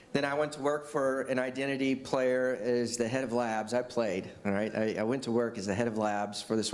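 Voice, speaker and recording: With an American accent, a man of medium pitch talks in fairly even intonation, and audible room echo surrounds his voice. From Texas. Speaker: tech executive. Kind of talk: panel talk.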